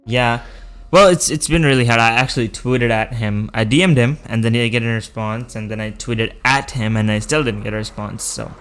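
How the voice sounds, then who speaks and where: A man's voice: mid-range voice, a little fast, few pauses, a bit bright, clean tone. A man hosting a casual podcast chat over a call, talking in a chatty, hesitant way and laughing often. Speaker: podcast host.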